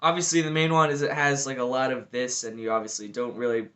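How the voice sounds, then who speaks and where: A man's voice: mid-range voice, fairly even intonation, fast, bright, forceful tone. A man talking casually on a hobby vlog, rambling and often filling with "you know" and "like". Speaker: Lego video creator. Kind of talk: casual speculative vlog chat.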